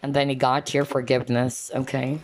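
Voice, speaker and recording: Tarot reader, mid-pitched voice, casual intuitive reading, conversational, frequent check-ins with the listener. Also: level tone, fairly quick, slight background noise.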